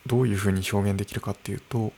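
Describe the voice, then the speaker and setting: Low gravelly man musing alone. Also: steady tone. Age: early 30s. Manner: slow, musing, with soft laughs. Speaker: podcast host. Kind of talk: unscripted solo podcast talk. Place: room at home, alone. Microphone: podcast microphone.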